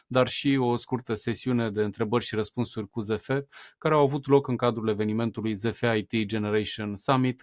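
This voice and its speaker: A man hosting a show, reading a scripted introduction in a brisk announcer's delivery. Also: on the low side, no echo, clean studio sound. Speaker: show host.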